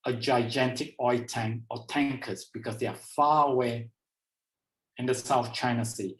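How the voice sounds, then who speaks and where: Guy from borneo chatting on a video call, excited, repeats himself for emphasis, roomy echo. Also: mid-range voice, distant mic. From Borneo, Malaysia. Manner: enthusiastic storyteller, repeats phrases, shifting emphasis. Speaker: guest speaker. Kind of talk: informal travel talk on a video call. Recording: echoey room over a video call.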